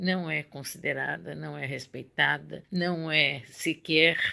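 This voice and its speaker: A woman's very deep, low voice, bright and sharp in tone with vocal fry, on a very clean recording with a silent background. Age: 70s. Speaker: feminist activist. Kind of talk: testimony.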